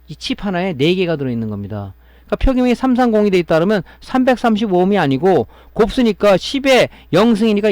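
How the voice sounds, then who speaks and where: A man's voice: high-pitched, darkish tone, dry recording. A man teaching electronics repair in a step-by-step classroom style, often checking with his listeners as he explains. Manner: explaining step by step, often adding a tag question to check understanding. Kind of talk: classroom-style technical lecture.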